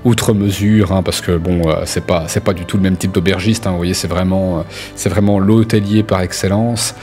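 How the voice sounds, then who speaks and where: A male game master with a very deep voice improvises scene descriptions for a tabletop game. His delivery is casual and conversational, over background music. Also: steady tone, normal speed, darkish tone. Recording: music playing under the voice.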